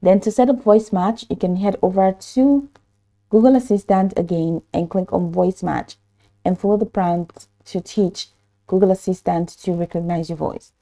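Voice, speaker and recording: A woman narrating a step-by-step software tutorial in an instructional manner, hesitant in places. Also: fairly low pitch, normal speed. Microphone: voice-over for screen recording.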